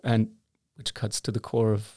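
A young man from Iceland chatting casually as a podcast co-host, telling animated stories and laughing often. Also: on the low side, normal speed, no room sound, clean studio sound. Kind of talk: casual conversation.

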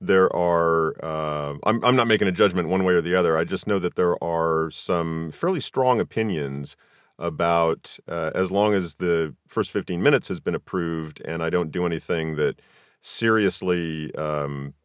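A man hosting a conversational interview, speaking in a measured, deliberate way as he lays out long questions. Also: low-pitched, clear, resonant tone, no echo, studio quality. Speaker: podcast host and interviewer.

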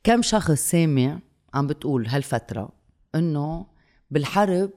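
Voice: mid-range voice, expressive, moderate pace, a little mellow. A speaker with a Levantine, Lebanese Arabic accent chatting casually, repeating phrases for emphasis and mixing in English and French words.

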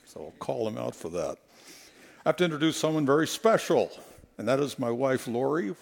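A middle-aged man delivers a sermon in a church sanctuary, speaking through a headset mic. His voice has a gravelly edge, and his pitch swings widely as he tells stories and acts out quotes. He moves between humorous anecdotes and scripture. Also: fairly quick. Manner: animated, storytelling, acts out quotes. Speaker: guest preacher.

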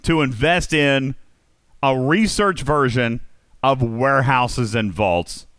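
A man hosting a casual group discussion, asking questions and musing aloud in an animated way. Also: mid-range voice, slow pace, clear, resonant tone, dry recording. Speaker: podcast host.

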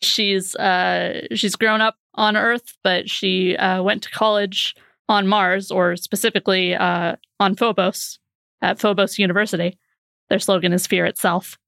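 A woman's voice: mid-range voice, little pitch movement, measured pace, creaky, fairly bright tone, no room sound, clean studio sound. A woman casually describing her character in a tabletop game, chatty with frequent fillers and laughs. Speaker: player.

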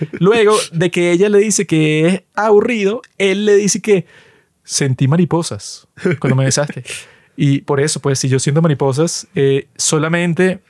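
Casual co-host, male, lively storyteller, higher-pitched, dry booth sound. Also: dry recording. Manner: animated retelling, acts out scenes with raised pitch. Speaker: podcast co-host. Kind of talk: casual chat.

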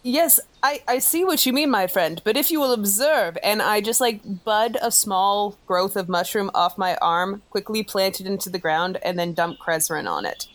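A woman plays a tabletop game in a playful, giggly way. She describes her character's actions with easy enthusiasm. Her voice has a middle pitch. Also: normal speed, few pauses, no echo. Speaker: player.

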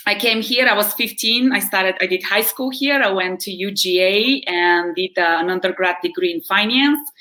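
A woman's voice: medium pitch, bright, forceful tone, poor audio. Chatty Bulgarian-accented woman. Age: 40s. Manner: chatty, laughs often, adds "right?". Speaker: guest, wellness coach. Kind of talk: conversational interview.

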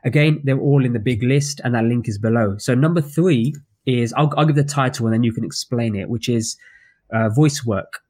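London host, mid-pitched, chatty and upbeat, lots of asides. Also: male voice, normal speed, darkish tone. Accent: British English, London. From West London. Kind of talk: casual live-stream chat.

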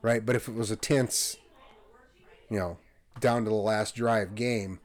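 A man's voice: lowish voice, fairly even intonation, a little slow. A man co-hosting a podcast, chatting casually about sports in a rambling, self-correcting way. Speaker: podcast co-host.

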